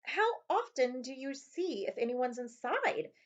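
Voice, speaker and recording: An eager, inquisitive young storybook boy, voiced by a woman. His voice is lifted high and full of questions. The recording sounds a little dull. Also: sing-song, measured pace. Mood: curious.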